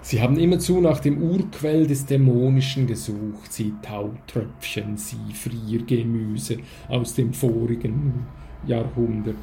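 A man's voice: a little high, expressive, unhurried, vocal fry, mellow, soft background music. A man reading a cold, scornful official. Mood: cold lecturing. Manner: scolding, condescending, growling. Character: stern, cold male official of a drugged state.

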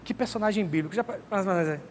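A man's voice: high-pitched, fast talker. A man preaching a sermon in a conversational, emphatic way, often calling out to his listeners. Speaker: pastor. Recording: long hall reverb, faint background noise.

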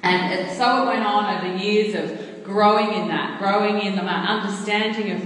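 A woman's voice: mid-range voice, fairly even intonation, moderate pace, fairly bright tone. A woman in her thirties giving an earnest, storytelling sermon in a church, often restarting her sentences. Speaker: preacher. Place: church hall. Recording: echoey church hall, faint noise.

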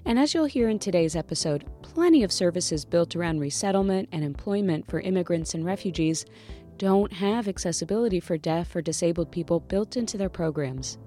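A woman host reading a scripted podcast introduction in a measured way. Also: lowish voice, animated, dark tone, soft background music.

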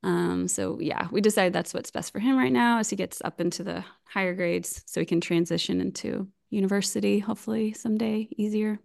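An American woman in her forties, chatting casually as a podcast guest over a video call, self-deprecating and quick to laugh. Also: mid-range voice, vocal fry, a little mellow. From United States. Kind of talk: casual remote interview chat.

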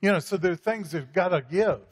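A man's voice: high voice, fast talker. A man talking in a preacherly, emphatic way with many fillers. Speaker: guest speaker. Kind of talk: conversational preaching. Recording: hall reverb.

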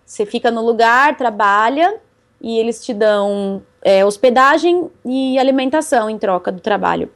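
A woman's voice: a little high, moderate pace. Chatty Brazilian woman, laughing. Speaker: cycle traveler guest. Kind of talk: casual interview.

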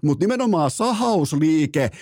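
A sports podcast host launches into a comic rant, theatrical, profane and mock-outraged, drawing words out for emphasis. His slightly high, slightly mellow voice has lively intonation, captured in a dry, studio-quality recording.

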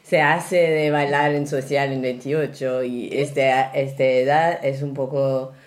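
A woman with a notably low voice asks questions at an unhurried, careful pace. She searches for her words, restarts often and speaks hesitantly as a casual interviewer. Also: fairly even intonation. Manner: slow and hesitant, apologizing for her Spanish.

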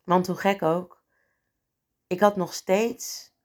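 A woman's voice: lowish voice, steady tone, takes it slowly. A middle-aged woman hosting a podcast, telling a personal story candidly and with feeling, sometimes acting out inner voices. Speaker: podcast host.

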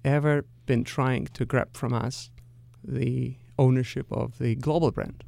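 A middle-aged man with a Russian accent, answering interview questions as a company executive in a measured, careful, explanatory way. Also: medium pitch, fairly even intonation, gravelly, mellow, dry recording.

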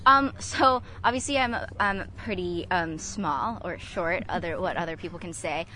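A woman's voice: on the low side, normal speed, pushed and bright. A young woman who coxes a college rowing team, answering interview questions with lots of fillers. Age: young adult. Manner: lots of um fillers, chatty and upbeat.

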